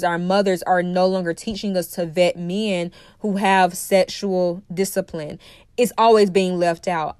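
A woman's voice: mid-range voice, dry recording, studio quality. Congested woman preaching on a podcast. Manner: emphatic, preachy, repeats key phrases. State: congested from a cold. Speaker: podcast host and dating coach. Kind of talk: opinionated solo podcast monologue.

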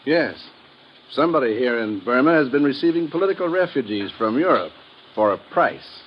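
An actor in a 1950s radio drama playing a matter-of-fact legation official who explains things earnestly. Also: male voice, medium pitch, animated, brisk, lightly acted. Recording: dull, noisy old radio recording.

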